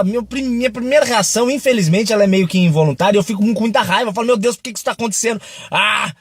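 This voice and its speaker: Brazilian guy, young, casual preachy storytelling, husky highish voice, jokey. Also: no echo, studio quality. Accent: Brazilian Portuguese. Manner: chatty and joking, acts out quotes. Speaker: Christian video preacher. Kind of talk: casual devotional talk with storytelling.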